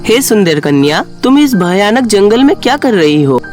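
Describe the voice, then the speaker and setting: A man's voice: high voice, very animated, normal speed, darkish tone, soft background music. A man playing a courteous, inviting young stranger in a cartoon story.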